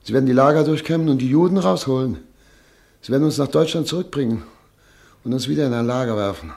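A male actor plays an exiled doctor in a radio drama, a husband and father carrying real anguish. He speaks at a middle male pitch, earnest and pleading, with firm resolve and an insistent way of pressing his point. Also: fast, gravelly, darkish tone, close to an everyday voice. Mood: agitated, insistent. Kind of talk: German radio drama acting.

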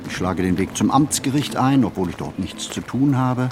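A man reads a reflective literary monologue for a radio play, phrasing deliberately and expressively with pauses. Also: mid-range voice, animated, background noise.

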